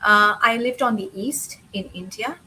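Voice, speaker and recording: A woman interpreting a guest's signed answers in an interview, unhurried, pausing with uh between phrases. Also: medium pitch, pushed and bright, slight background noise, poor audio.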